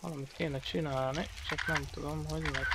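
A man commentating his horror game playthrough, excitable, swearing often and yelling when startled. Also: fairly high pitch, heavy background noise. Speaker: gameplay commentator. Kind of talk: horror let's play commentary.

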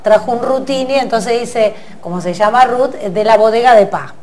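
A middle-aged woman hosting a TV studio talk show, lively and chatty, jumping in with quick remarks. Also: a little high, a little hiss or hum. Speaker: TV host. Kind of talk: casual TV chat. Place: TV studio set at a table.

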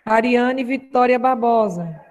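Woman teacher on a video call, high voice, very slow, careful diction, long reverb. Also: a little mellow. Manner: slow, carefully enunciated English for repetition. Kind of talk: online class, taking roll and modelling English dialogue.

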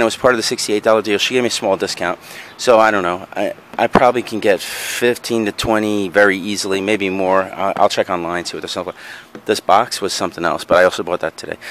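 A lower-pitched man chats his way through a show-and-tell of his purchases, hedging and correcting himself as he goes. He is recorded outdoors on a handheld camera mic. Faint outdoor noise and passing vehicles sit under his voice. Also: fairly bright tone. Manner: rambling, frequent ums and self-corrections. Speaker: vlogger showing resale finds. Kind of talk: casual show-and-tell narration. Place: outdoors in a backyard patio.

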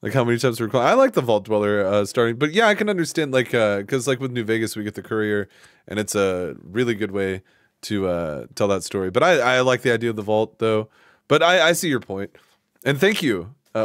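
With a low-ish, lively voice and a fairly quick delivery, a Washington State man in his thirties banters with viewers during a live gaming stream, rambling and swearing as he goes. The audio is studio quality with no echo.

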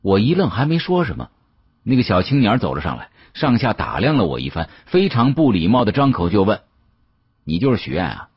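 Male audiobook narrator, raspy and animated, colloquial dramatic storytelling, muffled dry sound. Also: fairly low pitch, a little fast, dry recording. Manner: colloquial, expressive. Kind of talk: dramatic first-person storytelling.

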